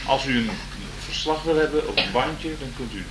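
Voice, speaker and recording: A man's voice: mid-range voice, normal speed. A man gives plain, matter-of-fact announcements at the end of a gathering. His voice is heard on old worn tape and rings around a large hall. A thick layer of hiss sits under every word. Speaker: meeting organizer making announcements. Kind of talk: spoken announcement to an audience.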